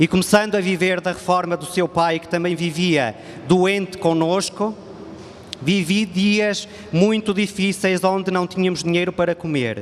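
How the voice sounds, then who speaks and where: Over noticeable background noise, the speaker goes at a fairly slow pace with fairly even intonation. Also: man, high pitch for a man. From northern Portugal (Lamego / Douro area). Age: 30s. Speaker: retreat participant giving testimony. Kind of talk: testimony. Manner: reading from prepared text.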